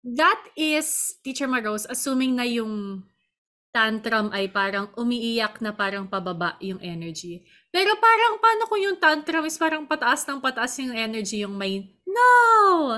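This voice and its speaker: A woman hosting an interview, asking lively questions and mixing Tagalog and English. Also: fairly high pitch. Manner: lively, asks questions, acts out examples, mixes Tagalog and English. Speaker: host.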